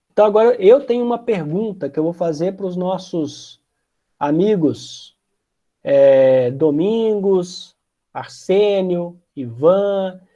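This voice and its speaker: Against a quiet background, a man talks at a high pitch with a dark, mellow tone and lively intonation. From Brazil, Minas Gerais. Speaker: university lecturer. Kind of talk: online lecture. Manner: slow, deliberate pacing; hesitant, repeats words.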